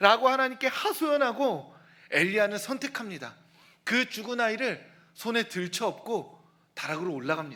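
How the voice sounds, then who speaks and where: Raising and projecting his voice, a man speaks at a moderate pace in a high pitch with an animated tone and lively intonation. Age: 40s. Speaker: pastor. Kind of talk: sermon. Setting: church.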